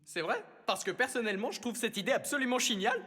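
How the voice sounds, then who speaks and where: High-pitched cheeky cartoon superhero. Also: female voice, very animated, fast talker, slightly rough, full character voice. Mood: nervous. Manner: theatrical, bantering, shouted gadget calls. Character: cheeky superhero in skirt and their dark-side clone. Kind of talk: French-dubbed animated cartoon acting. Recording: loud music bed behind the voice.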